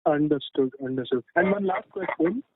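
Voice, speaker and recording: A man asking careful questions as an analyst on a conference call, heard over a phone line and pausing on fillers as he works through figures. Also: fairly high pitch, expressive, no echo. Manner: methodical, pauses on fillers while working through figures. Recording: tinny dry phone line.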